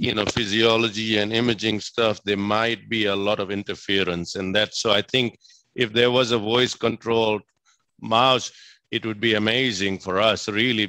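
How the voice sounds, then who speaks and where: A man's voice: lowish voice, sharp tone, no room sound, low-quality recording. A man from Fiji speaking as a physician answering questions, enthusiastic and emphatic, often repeating himself. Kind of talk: spoken question-and-answer at a presentation.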